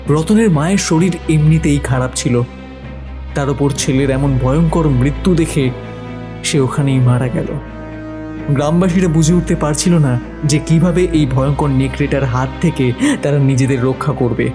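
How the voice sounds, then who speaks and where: A man narrates a village ghost story with dramatic storytelling flair. His voice sits a bit high. Loud music and crickets run beneath it. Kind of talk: scripted horror story narration.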